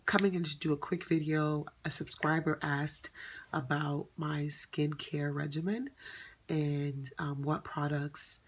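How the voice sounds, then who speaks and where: Thirties woman vlogging, kinda monotone, lots of ums, rambles and corrects herself. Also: low-pitched, unhurried. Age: 30s. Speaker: beauty vlogger. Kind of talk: casual chat to camera.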